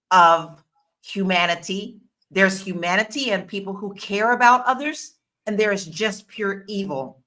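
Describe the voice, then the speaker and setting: A woman's voice: mid-range voice, pushed and bright. A woman speaking emphatically as a panelist in a casual discussion.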